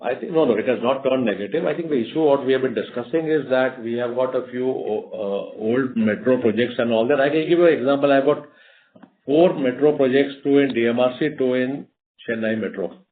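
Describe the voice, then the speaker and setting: A man's voice: medium pitch, fairly quick. Indian-accented executive man on a phone line. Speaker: company executive answering investor questions. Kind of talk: unscripted earnings call answers. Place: conference call. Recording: muffled narrowband conference phone line.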